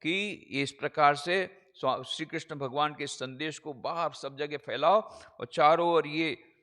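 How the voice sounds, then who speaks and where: A man, a monk heading an ashram, gives a spiritual lecture emphatically, repeating phrases and reading quotations slowly. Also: fairly high pitch, pushed and bright, long reverb tail. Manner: emphatic, repeats phrases many times over; reads English quotations slowly and deliberately.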